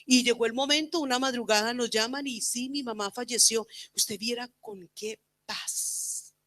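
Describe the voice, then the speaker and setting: A middle-aged woman preacher shares her testimony in an earnest voice with a bright, clear edge. She rises into loud, fervent prayer and drops to hushed, quiet passages. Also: on the high side, moderate pace. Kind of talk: personal testimony sermon. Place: church women's camp gathering.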